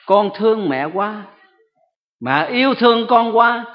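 A man's voice: very high-pitched, takes it slowly, gravelly, pitched above the performer's own voice, full character voice. A man doing a pleading little child. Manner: pleading, emotional cries. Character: small child pleading with its mother. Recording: echoey hall, dull lo-fi sound.

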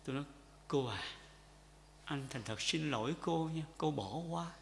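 A man preaching a sermon to his congregation. He repeats phrases and asks them questions, and swings between loud impassioned calls and quiet intimate asides. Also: mid-range voice, animated, normal speed, gravelly, slight background noise. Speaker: pastor. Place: church sanctuary. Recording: echoey hall with long reverb.

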